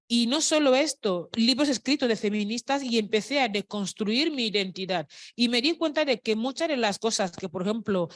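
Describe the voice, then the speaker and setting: Hesitant woman speaking on a panel. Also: medium pitch. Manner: hesitant, many fillers and restarts. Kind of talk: unscripted panel talk. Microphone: microphone at a public talk.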